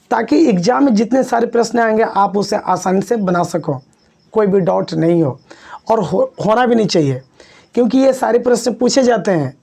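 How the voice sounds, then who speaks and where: A male teacher gives an exam-prep video lecture. His voice is gravelly and mellow. He repeats key points and coaxes his students along. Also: high-pitched. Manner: coaxing, repetitive, addresses students as "babu". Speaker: English teacher.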